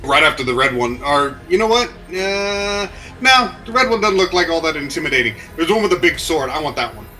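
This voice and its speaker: A man's voice: on the high side, big pitch swings, fairly quick, bright, forceful tone, soft background music. A man playing a tabletop game, talking bluntly and swearing freely. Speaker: player. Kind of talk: casual in-game chat.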